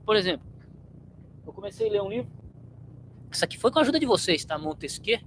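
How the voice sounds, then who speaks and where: A man's voice: high voice, big pitch swings, quick pace, a little hiss or hum, poor audio. A man from São state, hosting his channel in a blunt, slangy, rambling monologue to viewers. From São Paulo state, Brazil. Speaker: channel host.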